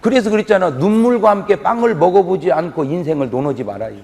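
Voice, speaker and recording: A man preaching a sermon as pastor, telling stories with loud emphasis and quiet asides and asking the congregation questions. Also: high-pitched, quick pace, vocal fry, in a large hall. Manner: lively storytelling, swings between loud emphasis and quiet asides.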